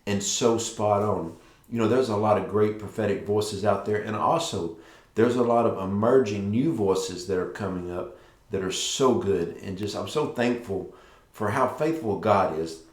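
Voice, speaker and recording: A middle-aged man with a fairly low voice presents a devotional prophetic talk in a noticeably echoey space. He talks as best he can around a sore mouth with fresh stitches from dental surgery, sharing and commenting as a ministry leader. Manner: careful, slightly impeded speech from a sore, stitched mouth after dental surgery. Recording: echoey, roomy sound.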